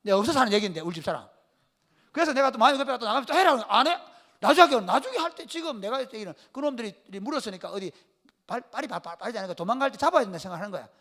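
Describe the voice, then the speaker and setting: Lively high-voiced pastor with a Gyeongsang accent. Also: male voice, racing. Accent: Gyeongsang Korean. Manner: lively storytelling, calls on listeners by name; colloquial, jokes with the congregation. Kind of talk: sermon.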